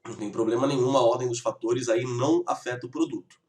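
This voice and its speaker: A man's voice: medium pitch, quick pace, darkish tone, echoey room. A man teaching a grammar lesson, explaining rules step by step and often checking in with his students. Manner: explanatory, keeps checking in with "tá bom?".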